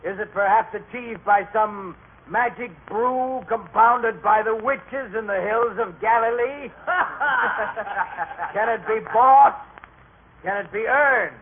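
An actor playing a bitter, clever lawyer who heckles in a mocking, theatrical way in a vintage radio drama. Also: male voice, sits high, slight background noise. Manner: mocking, theatrical, drawn-out delivery. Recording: tinny band-limited old radio recording.

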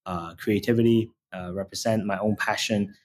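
A man's voice: lowish voice, fairly even intonation, normal speed, a little hiss or hum. A man in his thirties from Hong Kong, a startup founder answering interview questions hesitantly with many "uh" fillers.

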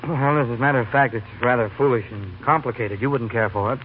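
A man's voice: medium pitch, slight background noise, lightly acted. A man playing a polite, hesitant young college senior in a 1930s radio comedy. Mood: sheepish. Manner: courteous, halting. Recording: tinny 1930s radio broadcast recording.

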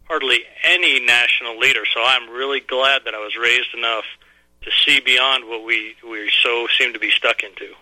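A man in his forties calls in to a radio talk show. His tone is very bright and forceful, and he speaks earnestly with some halting. The sound is dry and close. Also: medium pitch, steady tone, no room sound, poor audio. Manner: earnest, rambling, a little halting. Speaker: caller. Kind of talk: phone-in call to a radio show.

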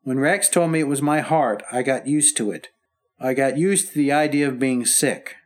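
An actor playing a weary husband recovering from illness, speaking earnestly and tenderly in an old-time radio drama. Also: male voice, medium pitch, normal speed, close to an everyday voice.

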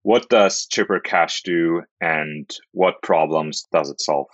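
A man hosting an interview, asking measured questions with hedges like "kind of". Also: low voice, dry recording, dull audio. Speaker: interview host.

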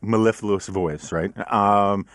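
Podcast host: middle-aged man, deep voice, giggly laugh, rambling and self-deprecating, close dry sound. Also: steady tone, slow pace, no echo. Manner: rambling, self-deprecating, many ums and uhs. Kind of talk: casual studio chat.

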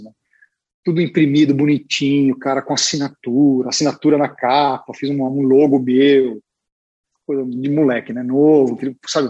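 A man with a Brazilian Portuguese accent, a guest illustrator telling a story in a chatty, animated way with lots of fillers. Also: mid-range voice, husky, dull audio. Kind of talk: casual storytelling.

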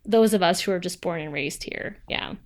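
An American woman in casual chat about a show, enthusiastic and quick to laugh. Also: lowish voice. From United States.

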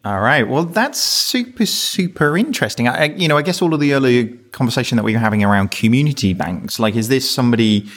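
A man's voice: medium pitch, lively intonation, fast, hardly any pauses, fairly bright tone, a little hiss or hum. A man hosting a casual podcast chat, introducing and reading out news stories. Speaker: podcast host.

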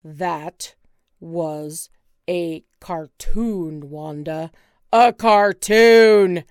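Woman putting on a whiny cold husband, loud and fretful, dry close sound. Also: lowish voice, animated, a little slow, dry recording. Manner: whiny, complaining, reluctant. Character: nervous grumpy middle-aged husband.

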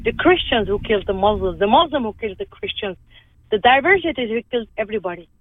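This Lebanese woman, a native Armenian speaker, is a guest in a conversational interview heard over the phone. Her voice sits on the high side and is animated, and her earnest speech halts with many restarts.

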